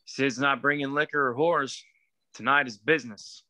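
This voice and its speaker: A man reads the part of a folksy, laconic restaurant keeper in a small-town drama. The voice is very bright and sharp, closely recorded and dry, with an understated delivery. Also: mid-range voice, fairly even intonation, moderate pace, no echo, lightly acted. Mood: matter-of-fact. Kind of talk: screenplay table read.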